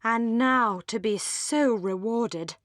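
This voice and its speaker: A pompous English gentleman of a classic novel, acted out by a woman narrator. He holds forth solemnly and at length, very pleased with himself, in a close, dry audiobook sound. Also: on the high side, slow, no echo. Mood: solemn, aggrieved. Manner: pompous, solemn, long-winded. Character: pompous, solemn, self-satisfied gentleman brother. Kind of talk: audiobook character dialogue.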